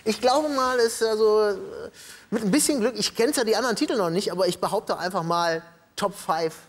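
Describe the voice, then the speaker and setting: A man's voice: sits high, fairly quick. A middle-aged man hosting a late-night TV talk show, joking casually with his guests and hesitating often. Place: TV studio with audience.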